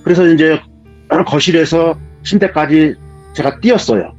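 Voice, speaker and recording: A man with a husky voice, telling a true ghost story in a vivid, dramatic way as a guest in casual spoken storytelling. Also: on the high side, a little slow, a little mellow. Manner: vivid, dramatic retelling of events. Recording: dull lo-fi sound with faint music.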